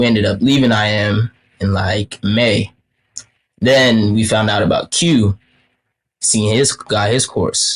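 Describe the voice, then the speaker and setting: In a fairly low, somewhat breathy voice, a man speaks at a very slow pace with long, frequent pauses and very even loudness. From Kenya (Nairobi), raised in US from childhood. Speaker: trader. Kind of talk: interview. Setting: video call.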